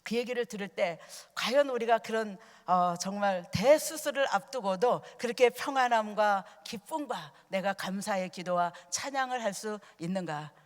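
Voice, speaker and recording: A woman's voice: mid-range voice, normal speed, hardly any pauses. A woman pastor delivering an earnest storytelling sermon in a church, asking the congregation questions as she goes. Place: church sanctuary. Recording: long reverb from a church hall.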